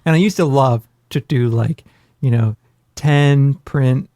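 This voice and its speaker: A man's voice: mid-range voice, slow, warm tone, no echo, studio quality. A man co-hosting a podcast in casual chat, rambling and self-deprecating with jokes. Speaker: podcast co-host.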